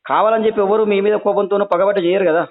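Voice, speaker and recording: A man's voice: high voice, fairly even intonation, rapid-fire. A man with a Telangana Telugu accent, a journalist questioning someone on a phone call, insistent and admonishing and often cutting in. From Telangana, India. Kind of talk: confrontational phone interview. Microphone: telephone. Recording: tinny narrowband phone call.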